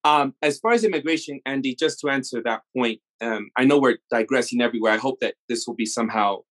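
A man's voice: mid-range voice, quick pace, fairly bright tone. A man from Mexico in casual conversation, rambling and laughing as he tells stories, often cutting himself off mid-sentence. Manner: rambling, self-interrupting, laughing storyteller.

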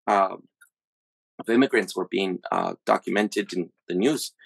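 A man in his thirties from the USA, talking in a relaxed conversational way, pausing often with fillers and restarts as he searches for words. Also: fairly low pitch, vocal fry, no echo, rough recording. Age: 30s. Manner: hesitant, many fillers and restarts. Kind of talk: casual conversational chat.

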